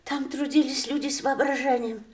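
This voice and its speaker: Актриса играет усталую, горько-ироничную жену у постели умирающего мужа, сдержанно и задумчиво. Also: female voice, high voice, steady tone, brisk, lightly acted. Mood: wistful. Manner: restrained, wistful, sharply ironic. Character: aging wife at her husband's deathbed, weary and bitter. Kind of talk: 1980s stage radio play acting.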